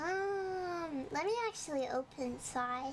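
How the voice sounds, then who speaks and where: A woman speaks with lively intonation amid noticeable background noise. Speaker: vtuber streamer. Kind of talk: casual livestream chat.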